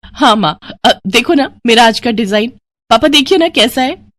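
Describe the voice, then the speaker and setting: A woman voicing a lively, cheerful young daughter in a storybook tale, bubbly and coaxing. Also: a little high, moderate pace, voice pushed up. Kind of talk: storybook voice acting.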